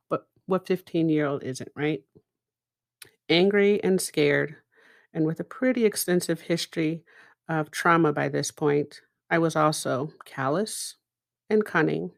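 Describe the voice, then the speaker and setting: A middle-aged woman whose first language is Hebrew speaks in a fairly low register. Her delivery is very slow and deliberate, with pauses placed for effect. She sounds like a podcast host giving a reflective personal monologue, dropping in small rhetorical asides. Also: gravelly, dry recording, clean studio sound. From Israel.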